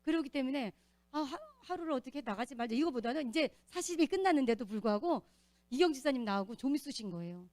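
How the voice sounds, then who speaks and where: A woman giving an earnest, animated testimony as a church deacon, telling her story in a church. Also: high voice, fast, dry recording.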